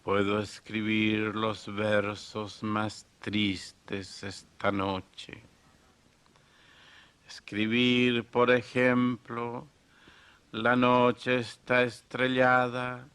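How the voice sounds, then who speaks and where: Slow, solemn man reciting verse. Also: lowish voice, a bit bright, smooth. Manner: solemn, measured reading. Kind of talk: poetry recitation.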